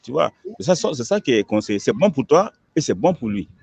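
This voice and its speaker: A man's voice: medium pitch, big pitch swings, brisk, creaky, darkish tone, husky, no room sound. A man, an imam, answering questions in an emphatic preaching manner, repeating words as he builds each point. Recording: dull lo-fi recording.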